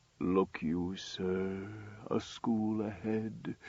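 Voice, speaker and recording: A man speaks at a very slow pace in a put-on character voice. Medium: audio drama. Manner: measured, probing.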